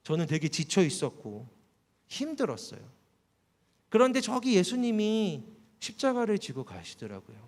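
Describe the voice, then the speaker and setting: Korean pastor preaching in a reverberant hall. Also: male voice, wildly swooping pitch, normal speed. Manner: storytelling, voice drops soft and low for quoted words. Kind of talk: sermon, personal testimony. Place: church hall. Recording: long church hall reverb.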